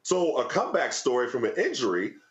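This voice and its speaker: A man's voice: mid-range voice, very animated, fairly quick, reverberant, lo-fi sound. A man as a panel guest on a commentary show, easygoing and agreeable, laughing along with the host. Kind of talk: conversational commentary.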